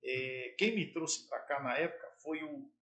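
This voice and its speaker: A middle-aged man with a playful, animated way of telling stories about his years in radio and TV. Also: on the high side, unhurried. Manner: playful, animated storyteller with jumps in loudness. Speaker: former sports broadcaster and TV presenter. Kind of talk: casual storytelling interview.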